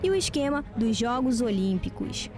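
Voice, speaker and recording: A woman with a Brazilian accent reading a formal TV news voice-over in a measured way. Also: fairly high pitch, very animated. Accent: Brazilian Portuguese. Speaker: news reporter. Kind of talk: scripted news report. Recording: TV news report with music bed.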